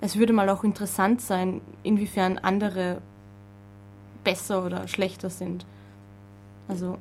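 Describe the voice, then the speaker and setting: Long, frequent pauses mark a woman's fairly slow delivery. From Austria, Vienna. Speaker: university student. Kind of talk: panel discussion. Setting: studio.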